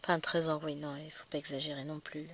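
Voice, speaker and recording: A slightly hoarse woman chatting casually as she stitches, correcting herself as she goes and often dropping to a whisper. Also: sits low, level tone, quick pace, a little hiss or hum. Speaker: cross-stitch vlogger. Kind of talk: casual chat while stitching.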